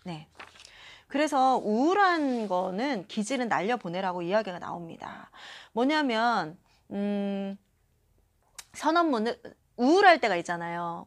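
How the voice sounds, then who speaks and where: A woman's voice: fairly high pitch, animated, unhurried. A young adult woman talking casually into her phone about a self-help book, acting out little quoted lines and often filling with short "yes" asides. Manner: chatty, acts out quoted lines, frequent filler "네". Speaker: channel host reading and commenting on a self-help book. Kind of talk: casual talk to camera.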